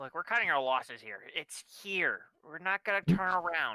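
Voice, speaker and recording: A put-on character voice is performed at a middle pitch. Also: moderate pace. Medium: actual play. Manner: snippy.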